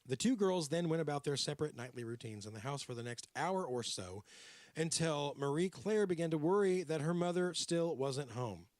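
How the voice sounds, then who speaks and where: Podcast guy telling a crime story, really animated, bouncy voice, dry mic. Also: on the high side, normal speed, no echo. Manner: animated, drops into character voices. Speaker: podcast host.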